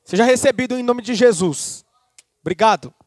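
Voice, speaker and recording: Preacher, man with a very high voice, fervent sermon delivery, close and dry. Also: normal speed, dry recording. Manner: lively preaching, speaks straight to the congregation.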